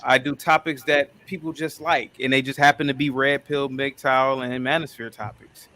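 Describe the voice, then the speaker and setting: A man in his thirties from Ohio, with a bright, forceful voice. He talks in an earnest, rambling way, calls people sir, and sounds like a caller in a live-stream chat. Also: medium pitch, flat delivery, normal speed. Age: 30s.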